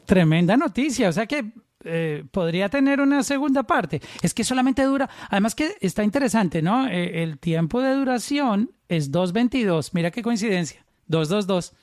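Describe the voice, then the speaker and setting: A man's voice: high voice, animated, normal speed, a little mellow, dry recording, studio quality. A man from Colombia with a paisa accent, interviewing in a casual, chatty way and often repeating words as he starts a phrase.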